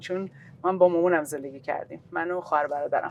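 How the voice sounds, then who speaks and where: With a Kurdish accent, a woman speaks at a very fast pace in a medium pitch. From Iran, Kermanshah (Kurdish region). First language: Kurdish (speaking Persian). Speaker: writer and hypnotherapist. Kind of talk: interview.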